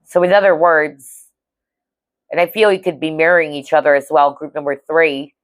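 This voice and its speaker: A woman's voice: deep voice, fairly even intonation, moderate pace, dry recording. A woman giving a casual tarot reading to viewers, chatty and reassuring, often checking in with "okay?". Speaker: tarot reader.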